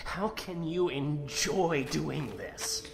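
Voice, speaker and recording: An actor playing a desperate, defiant young mage apprentice, agitated and prone to stammering, in an audio drama. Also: male voice, fairly high pitch, expressive, drawn-out words, vocal fry, background noise, heavily acted. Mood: bitter defiance.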